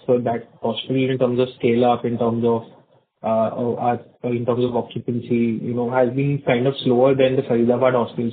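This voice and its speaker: A man politely and somewhat hesitantly asking questions as an analyst on a conference call. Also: medium pitch. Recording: narrow phone line, faint noise.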